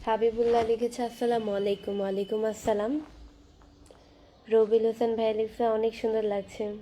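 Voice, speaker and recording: A young woman hosting a casual live stream from her phone, reading viewer comments aloud and chatting back in a soft, quiet voice. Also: on the high side, little pitch movement, a little hiss or hum. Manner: soft-spoken, talking quietly and slowly. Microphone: phone camera.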